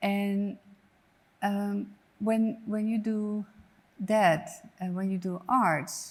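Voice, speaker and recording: Somewhat breathy, a woman at a medium pitch with fairly even intonation, speaking at a very slow pace with long, frequent pauses. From Netherlands. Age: 50s. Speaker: company CEO. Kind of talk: onstage interview. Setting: theater stage with audience. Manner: halting.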